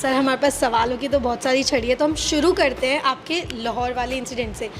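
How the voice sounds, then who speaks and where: A bubbly young woman interviewing guests on a food show, with a high, light voice. She is eager and quick to affirm what her guests say, and faint music plays behind her. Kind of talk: on-camera interview.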